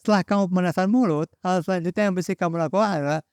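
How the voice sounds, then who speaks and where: Young male tutorial host from Indonesia; raised pitch, talks straight to the viewer like a friend, dry close sound. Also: rapid-fire, a little mellow, clean tone, no echo. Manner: direct, addresses viewer as friend, instructive. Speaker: content creator teaching public speaking. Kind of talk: scripted-sounding solo tutorial to camera.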